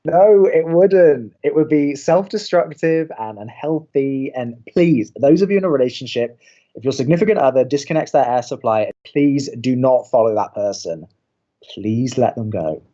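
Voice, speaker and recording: A man's voice: medium pitch, lively intonation, normal speed, dark tone, muffled recording, lightly acted. A young man acting as a sarcastic, easily exasperated college radio co-host in an audio romantic comedy. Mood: dry, sardonic. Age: young adult. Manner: dry, sarcastic.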